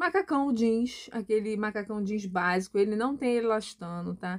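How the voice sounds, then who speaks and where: In a very clean recording with a silent background, a woman speaks at a moderate pace in a normal speaking voice, fairly high in pitch. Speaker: fashion vlogger. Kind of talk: sales pitch; shopping haul video, street-seller style promo patter. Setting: inside a clothing store. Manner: chatty and persuasive, talking directly to viewers.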